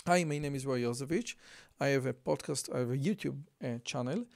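A man's voice: medium pitch, brisk, creaky, a little mellow, no echo, studio quality. A man in his thirties with a thick Israeli accent, earnestly explaining a news article as a podcast host at a desk mic at home. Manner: earnest, explanatory, with restarts and fillers. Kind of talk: commentary reading a news article. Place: home room, indoors. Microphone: desk mic in front of him.

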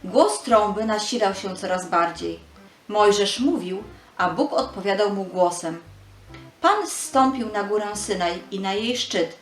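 A woman's voice: medium pitch, expressive, measured pace, echoey room. A woman giving a scripted narration of a Bible story for children.

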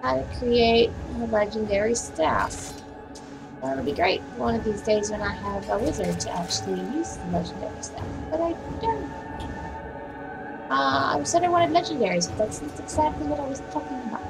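Young woman streamer, voice hoarse and raspy, chatty and cussing, loud game music behind her. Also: fairly high pitch, expressive, moderate pace, low-quality recording. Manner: chatty, profane, talks to herself while playing. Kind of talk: casual gameplay commentary.

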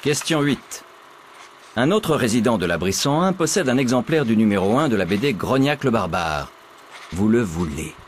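An actor playing a middle-aged male teacher who gives an exam in a video game, with a dry, matter-of-fact delivery and deadpan humor. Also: medium pitch, moderate pace, slight background noise, natural voice. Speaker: exam proctor. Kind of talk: game character dialogue.

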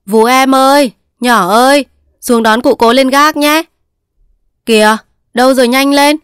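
A woman reading as a brisk old midwife's helper. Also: fairly high pitch, fairly even intonation, clean tone, dry recording, clean studio sound, lightly acted. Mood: calling. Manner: polite, then calling loudly.

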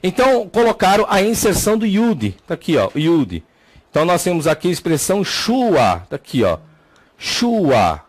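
A man's voice: sits high, big pitch swings, normal speed. A man with a Brazilian Portuguese accent teaching a theology class, emphatic, repeating key words and pointing things out on a screen. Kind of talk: classroom lecture with slides.

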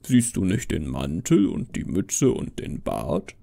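A man voicing a jolly, avuncular old Santa who talks slowly and patronizingly to children in a storybook horror tale. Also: very animated, gravelly, mellow, exaggerated voice. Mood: jolly, insistent. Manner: slow, booming, patronizing to children.

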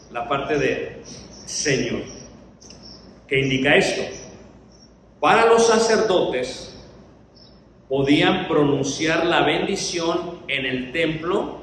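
In an echoey hall with the mic far away, a man with a mid-range voice teaches a Bible lesson to his congregation, asking questions and answering them himself. A slight hiss or hum runs under the recording.

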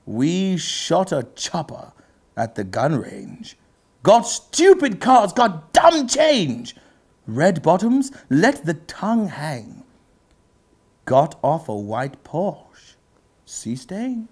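A pompous lord acted out by a man delivers a comic dramatic reading in grand literary style. His pitch leaps and dips dramatically, and he lingers slowly over his phrases with theatrical pauses. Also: darkish tone, full character voice. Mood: theatrical, savoring. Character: pompous aristocratic gentleman host, reciting rap lyrics theatrically. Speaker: comedy show host. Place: book-lined indoor study set, seated.

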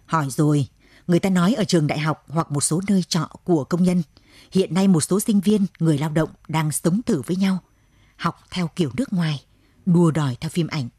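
A gruff older country father from a radio storybook, grumbling in a low, warm voice, as a woman narrator reads his lines. The voice is a little husky and sounds dry and close. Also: a little fast, no room sound. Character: worried rural father, older man, gruff and blunt.

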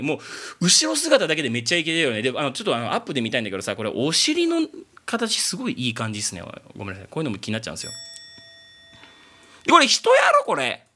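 A man from abroad who speaks Japanese as a second language, giving a casual reaction commentary on an anime opening and breaking into loud exclamations. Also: a little high, slightly rough. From outside Japan. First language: not Japanese. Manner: excitable, bursts into loud exclamations.

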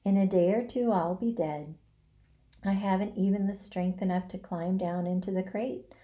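A woman voicing a dying female spider in a children's story, soft and weak, calm yet gently firm. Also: medium pitch, moderate pace, muffled recording, lightly acted. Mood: weary, resigned.

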